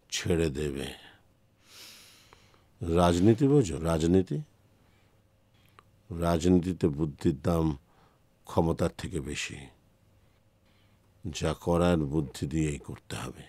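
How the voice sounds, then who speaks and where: An actor playing a shrewd middle-aged family patriarch and politician in a film drama, speaking with calculating authority. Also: male voice, extremely low pitch, expressive, takes it slowly, long pauses, dark tone, husky, no echo, heavily acted. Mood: calculating, stern.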